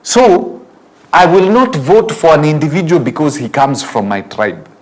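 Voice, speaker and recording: Animated Kenyan man hosting a show. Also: a little high, unhurried, poor audio. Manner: animated, laughs often, preachy. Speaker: talk show host. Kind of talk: closing commentary on a panel show.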